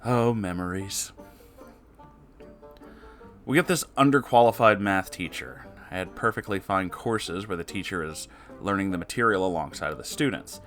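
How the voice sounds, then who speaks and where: A man's voice: deep voice, normal speed, a bit bright, soft background music. A man reading personal stories aloud for an online audience, with casual asides. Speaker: online story reader.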